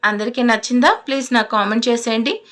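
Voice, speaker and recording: Higher-voiced woman reading a story. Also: steady tone, quick pace, fairly bright tone. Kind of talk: scripted audio story narration.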